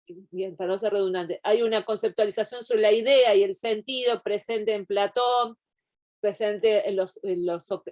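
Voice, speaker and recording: A woman's voice: medium pitch, darkish tone. A woman teaching a university class over a video call, explaining at length with frequent digressions and restarts. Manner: digressive, explanatory, thinks aloud. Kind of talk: online class lecture.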